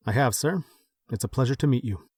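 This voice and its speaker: A man's voice: mid-range voice, brisk, a little mellow, husky, dry recording, clean studio sound, close to an everyday voice. A man acting in an audio drama as a courteous, composed office supervisor. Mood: guarded, formal. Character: guarded, courteous male office supervisor in work mode.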